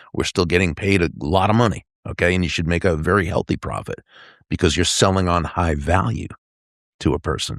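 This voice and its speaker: Vocal fry runs through speech at a fairly quick pace with ordinary pitch variation, recorded dry and close with no echo over a quiet background. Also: man, very deep, low pitch for a man. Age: 60s. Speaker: author and motivational speaker. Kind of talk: interview conversation. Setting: podcast interview. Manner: emphatic, repeats 'okay?' for emphasis.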